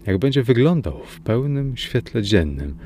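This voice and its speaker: A man narrating a first-person story as an audiobook, in a measured storytelling manner. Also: medium pitch, very animated, dark tone, a little hiss or hum. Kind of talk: audiobook reading.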